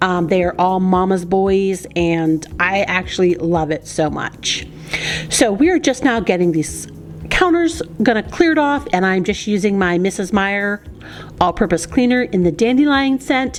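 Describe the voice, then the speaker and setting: Lively intonation runs through a plain, everyday voice at a moderate pace. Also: woman, medium pitch for a woman. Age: 50s. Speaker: stay-at-home mom and cleaning vlogger. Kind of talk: casual voiceover for cleaning vlog. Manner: friendly, chatty.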